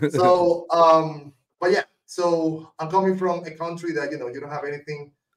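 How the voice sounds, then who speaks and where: A man's fairly high voice at a moderate pace, monotone and flat in intonation, with big swings in loudness. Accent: Venezuelan. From Venezuela. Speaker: junk removal business owner. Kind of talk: podcast interview. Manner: halting.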